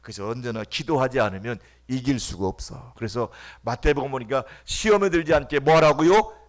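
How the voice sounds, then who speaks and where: A middle-aged male pastor preaching a sermon, dropping to hushed murmurs and then shouting calls at the congregation, acting out the voices he quotes. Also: medium pitch, fairly quick. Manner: acts out quoted voices and drills the congregation with questions.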